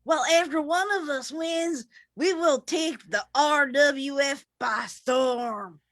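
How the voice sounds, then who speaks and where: A woman's voice: sits high, takes it slowly, fairly bright tone, no echo, clean studio sound. A woman playing an eager, cocky wrestler talking with a friend in a staged reading.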